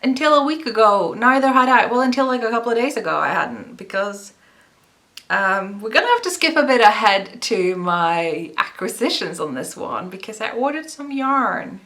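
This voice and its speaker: Bright-voiced chatty woman vlogger. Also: fairly high pitch, expressive, moderate pace. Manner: chatty, rambling, self-deprecating. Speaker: knitting podcast host. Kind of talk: casual vlog chat.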